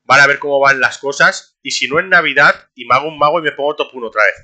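A young man, streaming a game and talking to his chat in a casual, excitable way, laughing often. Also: mid-range voice, quick pace. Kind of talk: casual gameplay commentary.

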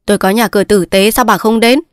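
A woman's voice: medium pitch, steady tone, quick pace, no room sound, clean studio sound, natural voice. A woman reading as a cold, proud young official. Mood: curt. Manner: curt, dismissive.

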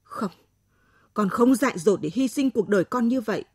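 Give me a woman voicing a bitter, defiant young student from an audio story. Her voice is high, sharp and rising. It is husky and dry. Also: expressive, normal speed, no room sound.

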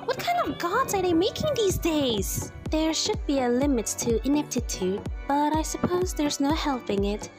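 A woman plays a dainty, haughty goddess with a high voice. She is condescending and teasing, in a comic dub with music clearly behind her. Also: sing-song, normal speed, few pauses.

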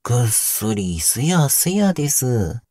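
A man's voice: medium pitch, sing-song, warm tone, dry recording, studio quality. A man playing a cheerful, devoted young AI companion in an audio drama, speaking politely with a teasing streak. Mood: polite, helpful. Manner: polite, teasing, drawn-out calls. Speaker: voice actor. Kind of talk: Japanese audio drama acting.

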